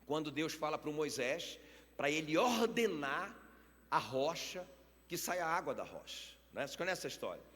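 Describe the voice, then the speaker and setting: Animated preaching man in a reverberant hall. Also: on the high side, moderate pace. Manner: animated preaching, rhetorical questions to the congregation. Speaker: pastor. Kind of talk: sermon. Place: church hall.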